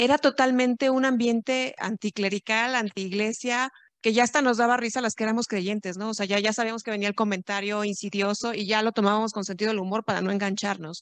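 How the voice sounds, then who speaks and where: With a plain, everyday voice, a woman speaks at a fairly high pitch and fairly quick pace with hardly any pauses and fairly even intonation, against a quiet background in a dry sound with no echo. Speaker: event moderator. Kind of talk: Q&A moderation. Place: home room. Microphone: video call.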